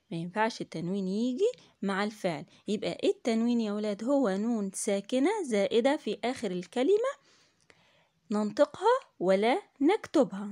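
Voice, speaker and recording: A woman's voice: medium pitch, darkish tone, no room sound, studio quality. A woman with an Egyptian Arabic accent teaching young children in a classroom lesson, repeating each point patiently, asking the class questions and praising answers. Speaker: primary school teacher.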